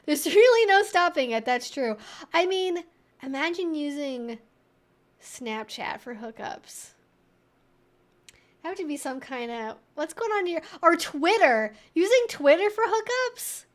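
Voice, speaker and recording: A woman's voice: high-pitched, expressive, a little slow. A woman hosting a livestream, talking casually and wryly as she reacts aloud to chat messages. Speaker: livestream host answering viewer chat.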